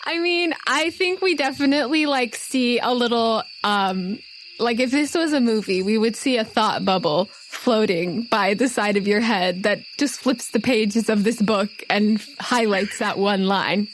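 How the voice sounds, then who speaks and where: A woman's voice: fairly high pitch, measured pace, slight background noise. A woman running a tabletop game as game master, narrating the action in a casual, conversational way.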